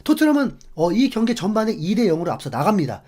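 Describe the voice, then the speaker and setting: A man's voice: sits high, fast. A man hosting a football channel, narrating a scripted match commentary with many fillers. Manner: animated, filler-heavy explanatory talk. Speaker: sports channel host.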